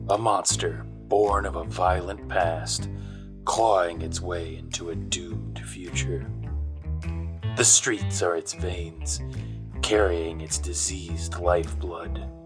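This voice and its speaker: An actor playing a weary hard-boiled private detective in a noir audio drama, brooding and sardonic. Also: male voice, sits low, steady tone, slow pace, over music. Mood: grim, brooding. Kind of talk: noir radio drama acting.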